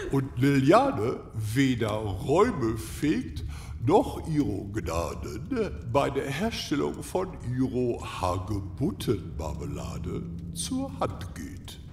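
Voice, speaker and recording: A man playing a stiff, ceremonious old castle butler in a comic fairy-tale audio drama, with pompous formal delivery. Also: mid-range voice. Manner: pompous, formal, deliberate proclamations. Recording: echoey hall, distant, faint noise.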